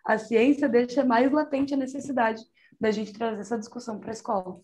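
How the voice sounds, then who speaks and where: A woman's voice: a little high, fairly even intonation, fairly quick, darkish tone. A woman hosting an interview, affirming and engaged as she responds to her guest. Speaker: interview host. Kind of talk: conversational interview.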